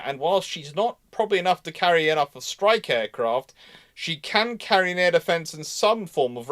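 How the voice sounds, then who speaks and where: A man's voice: a little high, a bit bright. A man hosting a live history discussion, talking off the cuff, putting rhetorical questions and rephrasing his points as he goes. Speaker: host of a live naval history show. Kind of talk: live panel discussion, unscripted explanation.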